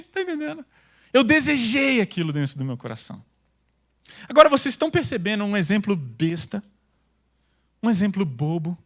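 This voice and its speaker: A male pastor preaching a sermon, intense and loud, with casual slang. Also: on the high side. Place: church.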